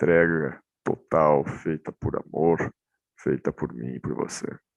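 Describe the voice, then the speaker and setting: A man with a very deep, low pitch and vocal fry is heard in a dry, close sound with no echo. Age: 40s. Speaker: physician and lay preacher. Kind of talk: sermon. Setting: online virtual church session.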